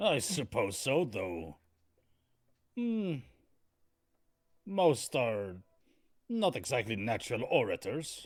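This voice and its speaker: A man puts on a raspy character voice at medium pitch, swinging very widely up and down while speaking very slowly with long, frequent pauses. The recording is very clean and the background silent. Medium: actual play. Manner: musing, dry.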